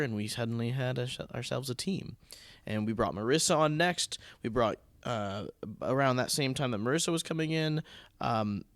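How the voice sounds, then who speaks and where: A man's voice: mid-range voice, fairly bright tone, smooth, no room sound, clean studio sound. A man hosting a casual podcast interview in a bantering, teasing manner. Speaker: podcast host, theatre producer.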